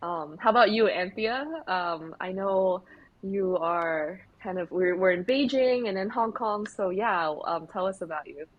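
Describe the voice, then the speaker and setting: A woman's voice: mid-range voice, unhurried, dull audio. Giggly woman hosting a chat. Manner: chatty and giggly, many fillers. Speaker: podcast host. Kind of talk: casual interview chat.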